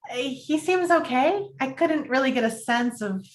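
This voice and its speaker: A woman's voice: sits high, lively intonation, normal speed. A woman playing a sensitive, fussy single woman in a romantic comedy table read, speaking hesitantly and conversationally. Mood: hesitant, concerned.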